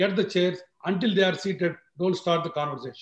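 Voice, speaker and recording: Speaking at a fairly quick pace, a man with an Indian accent and a high pitch is heard with audible room echo against a quiet background. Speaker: orthopaedic surgeon; presenter. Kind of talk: webinar lecture. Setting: video call. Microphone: video call.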